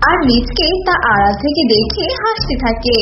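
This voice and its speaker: A woman narrates a children's story in a high, animated voice. The recording is dull and echoey, with music clearly behind her. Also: normal speed.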